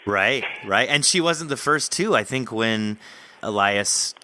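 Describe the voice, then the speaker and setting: A man hosting a casual podcast interview about fiction, animated and wordy as he works his way toward questions. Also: on the low side, takes it slowly, low-quality recording.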